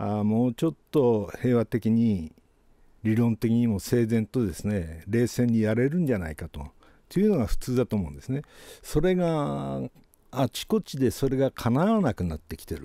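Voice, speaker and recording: A man with a dark, mellow tone and medium pitch talks at a moderate pace, his pitch swinging very widely, in a dry, close sound with no echo. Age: 70s. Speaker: writer and former journalist. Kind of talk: interview monologue. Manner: halting, with many fillers.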